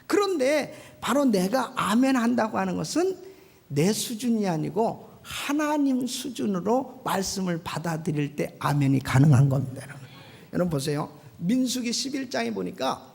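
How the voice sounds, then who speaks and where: A pastor from Korea delivers a sermon with a gravelly, husky voice. The pitch swings widely as they keep prodding the listeners with quick questions. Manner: animated, keeps prodding the congregation with quick questions.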